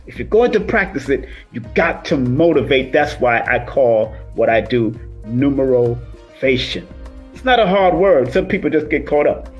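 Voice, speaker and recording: High-voiced emphatic man over music. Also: darkish tone. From Cuban and Jamaican heritage. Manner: emphatic, repetitive, rolls his R's. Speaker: numerologist and livestream host. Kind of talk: casual motivational monologue to live viewers.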